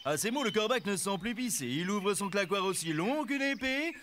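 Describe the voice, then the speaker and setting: An actor playing a street-wise storyteller reciting a comic fable with mock solemnity and thick slang. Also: male voice, sits high, expressive, brisk. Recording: outdoor background noise with birdsong.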